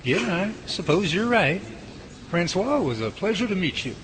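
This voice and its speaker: A flustered new team leader, played by a man, stammering and lively, his fairly high voice leaping up and down. Noticeable hiss sits under the recording. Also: moderate pace. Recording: noisy home-made audio drama.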